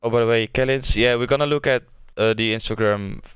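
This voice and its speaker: A man co-commentating a live race broadcast in a relaxed, chatty way. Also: medium pitch, brisk, smooth, no echo, dull audio.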